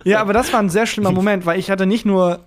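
A man's voice: sits high, steady tone, fast. A man who is a native German speaker, telling anecdotes casually as a podcast host and acting out quoted speech.

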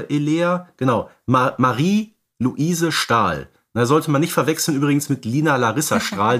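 A man's voice: medium pitch, a bit bright. A man co-hosting a podcast in a studio, discussing films casually and dropping in tag questions that seek agreement. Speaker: podcast host.

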